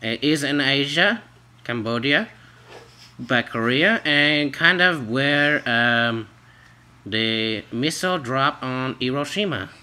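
A man voicing a naive, insistent immigrant Asian wife who speaks halting broken English on a prank phone call. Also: medium pitch, expressive, pushed and bright, voice pushed down, exaggerated voice. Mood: halting, earnest.

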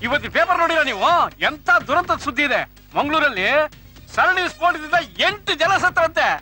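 Fast-talking news gossip, very high bright voice. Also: male voice, animated, faint music behind, full character voice. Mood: excited. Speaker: gossiping neighbour.

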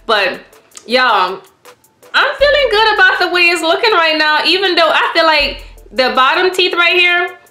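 A woman's voice: very high-pitched, very animated, unhurried, bright, forceful tone, echoey room, soft background music. A woman chatting casually to her viewers with braces on her teeth. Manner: chatty, addresses viewers as y'all. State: speaking with braces on. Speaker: vlogger. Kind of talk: casual talk to camera.

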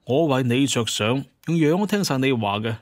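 A man's voice: medium pitch, lively intonation, normal speed, no echo, studio quality, natural voice. A man with a Cantonese accent voicing a glib, shameless hunter chief in an audio drama, wheedling and making excuses. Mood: mock hurt. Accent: Hong Kong or Guangdong Cantonese.

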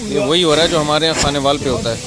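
A man's voice: on the high side, rapid-fire, over a noisy crowd. A man from Pakistan giving casual, amused travel-vlog commentary outdoors at a railway station, chatting and thinking aloud as he walks. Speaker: vlogger. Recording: heavy outdoor background noise.

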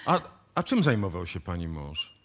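An actor in a live radio play playing a skeptical, politely persistent police investigator who questions haltingly. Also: male voice, low-pitched, sing-song. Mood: probing. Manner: hesitant, polite, insistent questioning.

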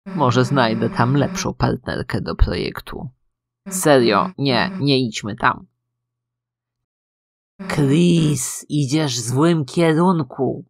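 A woman's voice: very deep voice, expressive, slow pace, crowd noise, exaggerated voice. A woman voicing a surly teenage monster girl from a video game, sarcastic, taunting and impatient. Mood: mocking, impatient. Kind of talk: dramatized video game dialogue reading.

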